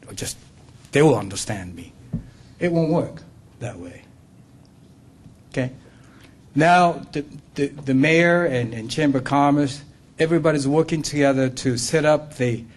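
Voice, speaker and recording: Speaking as a guest at a luncheon, an older man from Japan delivers a sincere business talk in accented English, frequently laughing and asking the audience "okay?" or "right?". His voice is medium-pitched, a touch mellow and husky.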